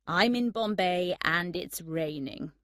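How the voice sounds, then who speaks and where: A woman's voice: lowish voice, slow, fairly bright tone, dry recording, studio quality. A woman reading a letter from a slightly drunk young man, rambling and earnest.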